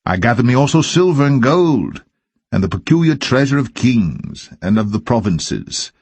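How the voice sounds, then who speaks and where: A man reading scripture as a Bible narrator, in a solemn, measured, formal manner. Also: mid-range voice, very animated, a little mellow, slightly rough, no echo.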